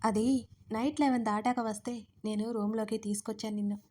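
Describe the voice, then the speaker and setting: A woman's voice: fairly high pitch, fairly even intonation, a little fast, dark tone, natural voice. A woman voicing a nervous, timid young woman who hurriedly denies everything, in a Telugu audio story. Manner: flustered, denying, innocent.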